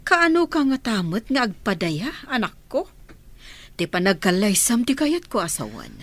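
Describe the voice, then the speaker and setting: A middle-aged woman with an Ilocano accent, playing a caring mother who gently urges her daughter to marry, in a radio drama. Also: mid-range voice, very animated, normal speed. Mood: coaxing.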